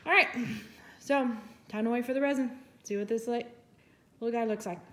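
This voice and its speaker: A woman with a brisk, fairly bright voice on the high side narrates a casual resin-crafting tutorial at her table. As the channel's host and a resin artist, she thinks out loud and teases herself, and others call her voice soothing.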